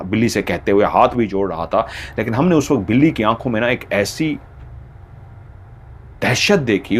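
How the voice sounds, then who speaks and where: A man narrating a horror story in the first person, with dramatic storytelling. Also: mid-range voice.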